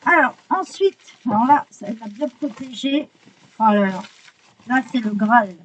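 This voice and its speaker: A woman chatting casually while unboxing art supplies, excitable, swearing lightly and apologizing often. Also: on the high side, moderate pace, husky, muffled recording.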